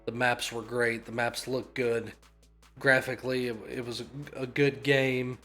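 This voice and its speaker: Guy in his 30s w a stuffy nasal cold voice, blunt and sweary, mid pitch, faint music behind. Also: flat delivery, measured pace, sharp tone. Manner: blunt, swears often, dismissive of complainers. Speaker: gaming YouTuber. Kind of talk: casual opinion rant.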